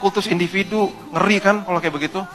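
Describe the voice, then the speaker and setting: A male pastor preaching a storytelling sermon in a lively, conversational way, full of rhetorical questions. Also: sits high, fast, soft background music.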